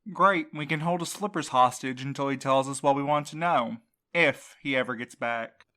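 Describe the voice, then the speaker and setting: A woman's voice: a bass voice, normal speed, a bit bright. A woman voicing a blunt, sardonic widowed courier in an audio drama. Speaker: night courier.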